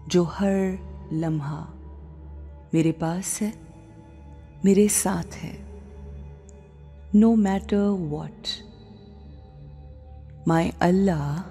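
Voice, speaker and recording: A woman with a slightly low, mellow voice leads a devotional meditation over background music. She speaks extremely slowly, setting out one short phrase at a time and leaving pauses between them. Her delivery is often hushed and breathy. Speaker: guided meditation leader. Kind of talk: slow devotional guided meditation.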